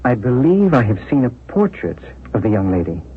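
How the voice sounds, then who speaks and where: An actor playing a polite, inquisitive jeweler who also narrates a 1970s radio drama in a courteous, measured way. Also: male voice, medium pitch, sing-song, natural voice. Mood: gently probing. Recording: tinny old radio broadcast with hiss.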